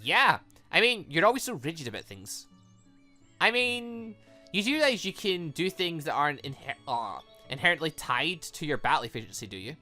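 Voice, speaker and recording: A confident, teasing young woman from a visual novel, read out by a gamer. The delivery is assertive and casual, in a bright voice with faint music behind it. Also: mid-range voice, very animated, normal speed. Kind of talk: reading visual novel dialogue aloud.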